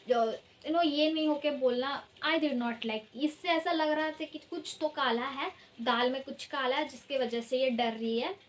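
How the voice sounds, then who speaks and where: Woman, high voice, opinionated reality show commentary, hesitant fillers, faint hiss. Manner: opinionated, mixes Hindi and English, frequent hesitations. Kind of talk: casual commentary.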